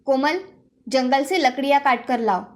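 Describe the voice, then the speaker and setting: A woman voicing a harsh, bossy stepmother who scolds and taunts in an animated storybook. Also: high-pitched, moderate pace, natural voice. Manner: bossy, taunting, snapping orders.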